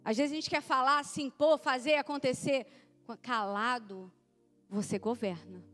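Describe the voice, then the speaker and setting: A woman's voice: high-pitched, fairly even intonation, measured pace, a bit bright, faint music behind. A woman preaching a sermon, talking straight to her listeners, calling some by name and asking them to repeat after her.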